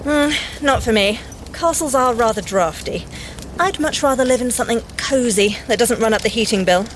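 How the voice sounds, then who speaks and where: An actress playing a brisk, cheerful, sensible young female secret agent scientist with a British accent and a dry, precise, teasing manner in an audio drama. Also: fairly high pitch, lively intonation, noisy background, natural voice. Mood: dry, observant. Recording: music under the voice.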